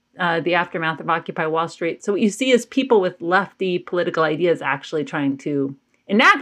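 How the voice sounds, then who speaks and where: An ordinary speaking voice from a woman with an American accent, fairly low in pitch and fairly quick in pace. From US South, Athens, Georgia. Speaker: activist and writer. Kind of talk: interview conversation.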